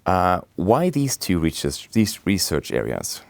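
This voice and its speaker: A man hosting an academic interview, reading his introductions and questions crisply. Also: sits low, wildly swooping pitch, unhurried. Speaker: interview host.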